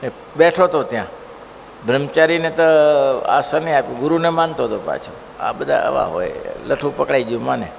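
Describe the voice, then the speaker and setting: A male preacher giving a devotional scripture discourse, telling stories in an animated way and asking the listeners rhetorical questions. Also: mid-range voice, moderate pace, gravelly. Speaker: religious preacher. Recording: long hall reverb, faint noise.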